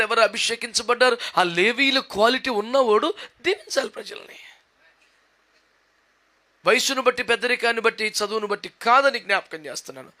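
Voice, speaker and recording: A man's voice: sits high, bright, forceful tone. A man preaching a sermon, building up with rhythmic repeated questions and a Telugu accent. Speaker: pastor.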